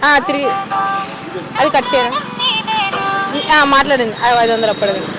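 High-pitched, rapid woman host. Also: over loud music. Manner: teasing, prodding with questions. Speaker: prank show host. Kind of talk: playful street interview. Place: outdoors in a busy urban spot. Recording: very noisy outdoor street with traffic.

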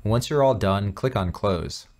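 A man hosting a step-by-step software tutorial, explaining in a conversational, instructional way. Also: fairly low pitch, expressive, unhurried. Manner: clear instructional, conversational phrasing. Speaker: tutorial host.

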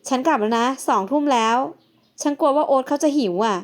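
A woman voicing a loyal young wife who speaks softly and earnestly. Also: sits high, fast, lightly acted. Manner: soft, earnest, placating.

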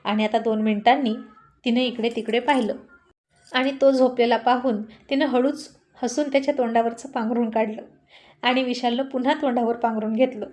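A woman telling a family story aloud in a steady, expressive reading voice. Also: on the high side, a little fast. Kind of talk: story narration.

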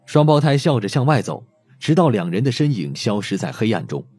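A man's voice: medium pitch, big pitch swings, a little fast, a little mellow, slightly rough, no echo. A man narrating a dramatic audiobook story in a scripted style. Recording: faint music under the voice.

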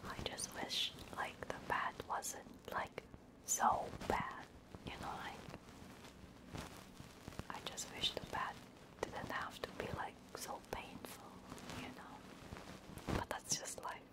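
A woman whispering breathily and casually into a close binaural microphone, chatting haltingly on an ASMR livestream. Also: low-quality recording. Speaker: VTuber streamer.

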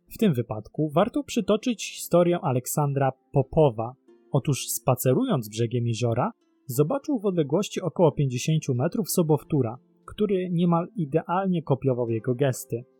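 A man's voice: on the high side, warm tone, slightly rough, no room sound. A man narrating a scripted mystery documentary in a dramatic storytelling manner. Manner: dramatic, posing rhetorical questions. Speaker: narrator and host of a mystery series.

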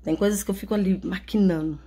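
A woman's voice: medium pitch, fairly even intonation, quick pace, mellow, slightly rough. A young Brazilian woman chatting in a casual home vlog, affectionate and laughing often. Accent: Brazilian Portuguese. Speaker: vlogger and mother. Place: home, indoors.

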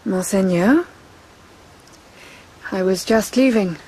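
An actress playing a young noblewoman in a radio drama, coy and scheming, with hesitant, breathy pauses. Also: medium pitch, dark tone, rough recording. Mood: wistful, flustered. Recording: radio play with clear background ambience.

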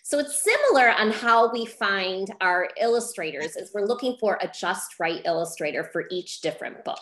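A woman's voice: medium pitch, fairly bright tone. A woman publisher hosting a question-and-answer session for children, explaining things plainly to students and teachers. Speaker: host, book publisher. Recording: roomy echo on a video call.

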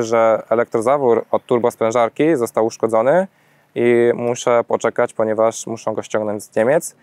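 A man talks through an unscripted review of his own car. His voice is clean and smooth, with little melodic movement and a dry, close sound. He pauses often and corrects himself as he goes. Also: mid-range voice, a little mellow, no echo. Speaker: car owner giving a review.

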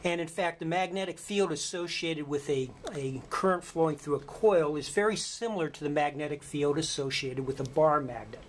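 Man, slightly high voice, lecturer, measured explanations, hands-on teaching narration, light background noise. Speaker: physics lecturer. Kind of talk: instructional demonstration narration.

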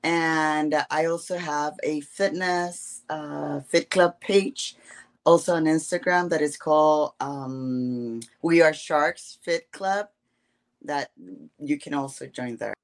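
A woman from Guatemala with a Spanish accent, answering interview questions over a video call in slow, halting speech full of fillers. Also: sits low. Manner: halting, hesitant, many fillers. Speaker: guest.

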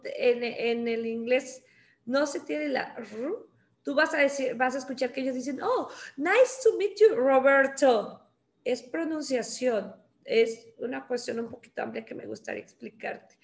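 A woman with a Mexican accent teaching beginner English, explaining in Spanish and slowly modeling English phrases with translations. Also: sits high.

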